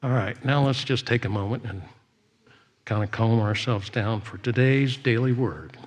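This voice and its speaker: A man leading a church service, giving announcements and devotional readings in a measured way with frequent pauses. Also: medium pitch.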